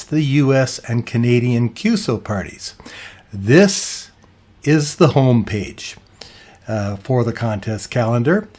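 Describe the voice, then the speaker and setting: A man narrating an instructional walkthrough as a video host, in a measured, explanatory way. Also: medium pitch, darkish tone. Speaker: ham radio video host. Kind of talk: instructional narration, walking through a website.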